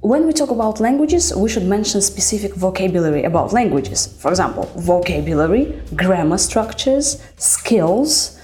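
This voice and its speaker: A woman's voice: mid-range voice, very animated, moderate pace, hardly any pauses, mellow, soft background music. A woman from Russia whose first language is Russian, co-hosting a podcast and explaining English vocabulary in a teacherly, questioning way. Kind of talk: language-lesson podcast chat.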